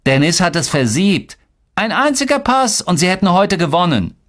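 A man's voice: high-pitched, very animated, measured pace, voice pushed up. A man voicing a scoffing, eager twelve-year-old boy in an audiobook story.

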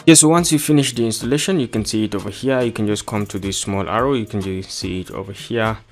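A man giving an explanatory software tutorial as presenter, with formal, instructional phrasing. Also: fairly low pitch, fast. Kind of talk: explanatory screen-recording tutorial. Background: background music.

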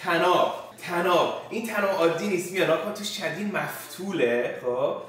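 Guy in his 30s, highish voice, showing stuff to camera, super echoey room w music. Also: fairly bright tone. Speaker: vlog guest showing his camping gear. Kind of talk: casual chat, showing items to camera. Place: bright hard-walled kitchen indoors.

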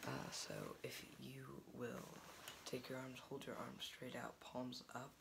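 A man's voice: mid-range voice, level tone, slow pace, gravelly, noisy background. Young man whispering a doctor roleplay. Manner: soft, part-whispered, hesitant instructions. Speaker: ASMR creator playing a doctor. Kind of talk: ASMR roleplay. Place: small home office, indoors.

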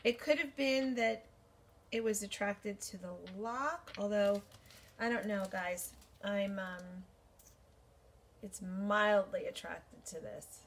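This casual haul video features a forties-aged woman who resells vintage jewelry, taking it slowly in a mid-range voice as she sorts pieces in her bedroom. She chats and thinks aloud, filling gaps with many ums. It's recorded indoors by a camera at desk distance.

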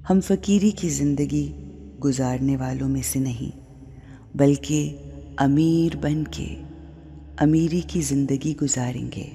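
A woman leading a spiritual guided meditation, speaking in short, deliberate phrases with long pauses. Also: extremely low pitch, dark tone, slight background noise. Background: music.

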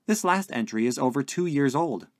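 In a story, a narrator plays a polite, earnest young man who is puzzled and hesitant while he hunts for the right words. The voice is mid-range and animated at a normal speed, pitched a bit above the narrator's natural voice but still close to everyday speech. It's a dry, studio-quality recording.

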